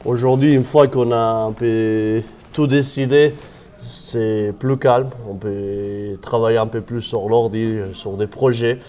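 Catalan-accented man, relaxed and chatty. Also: medium pitch, slow. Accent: Catalan-tinged French with southern French and Swiss touches. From Cerdagne, Pyrenees. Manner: relaxed, chatty, frequent hesitations. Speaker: ski patroller. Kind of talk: casual interview. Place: ski area staff building.

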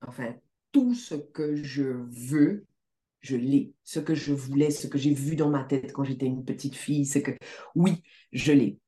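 A middle-aged woman success coach talking in a casual interview, emphatic and animated, swearing now and then. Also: extremely low pitch. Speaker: success coach, podcast guest.

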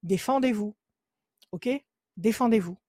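A woman psychic takes a caller through a card reading. She presses the same advice over and over in a steady, mid-pitched voice. She sits close to a dry studio mic with no room sound. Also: unhurried, no room sound. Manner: insistent, repetitive advice, counts cards under her breath. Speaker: psychic on a call-in show. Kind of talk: phone consultation with card reading.

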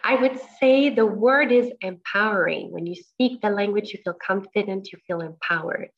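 A woman's voice: medium pitch, normal speed. Woman interviewing, muffled sound. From Montreal, Canada. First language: French. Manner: warm, affirming questions. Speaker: language school founder and interviewer. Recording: muffled lo-fi audio.

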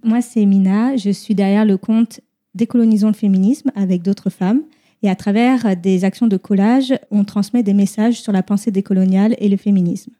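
Thoughtful woman guest, mellow tone. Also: medium pitch, steady tone, normal speed. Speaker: podcast guest. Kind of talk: casual discussion.

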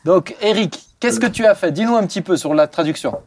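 A man hosting a Christian talk show, chatty and encouraging, often trailing off into soft asides. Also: sits high, fairly quick. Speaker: host.

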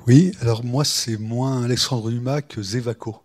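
A man who is a guest historian and university teacher on a panel, measured and candid. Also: mid-range voice, fairly even intonation. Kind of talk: panel discussion.

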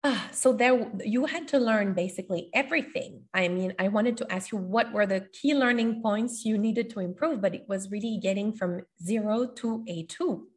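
A woman's voice: medium pitch, moderate pace, hardly any pauses. Woman, Quebec French accent, enthusiastic podcast host, effusive, video call. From Canada. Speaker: podcast host and language school representative. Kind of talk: casual interview.

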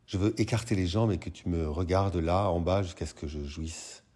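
A hushed, husky lover, a man reading her lines. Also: sits low, normal speed. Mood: longing. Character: aroused woman lover, shy then bold.

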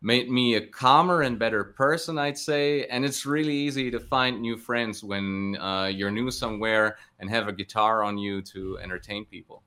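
A man's voice: on the low side, moderate pace, few pauses, sharp tone, clear, resonant tone. A man giving casual interview answers as a guest, thinking his way through with hesitant phrasing. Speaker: interview guest, guitar teacher.

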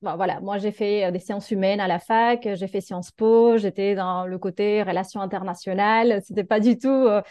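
A woman in her thirties from Argentina speaks as a podcast guest, thinking aloud with many small hesitations. Her voice is mellow and warm, recorded dry and close with no room sound. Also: mid-range voice, fairly even intonation, moderate pace, hardly any pauses, dry recording. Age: 30s. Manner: reflective, hesitant with many fillers. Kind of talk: casual interview chat.

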